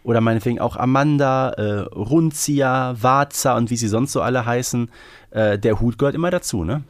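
A man's voice: mid-range voice, moderate pace, no echo, studio quality. A man co-hosting a casual podcast, often tacking questioning tags onto his remarks. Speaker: podcast co-host.

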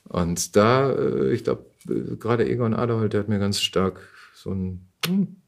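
A man in his fifties telling stories casually in an interview, thoughtful and halting as he searches for words. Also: on the low side, vocal fry. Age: 50s. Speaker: actor and podcast guest.

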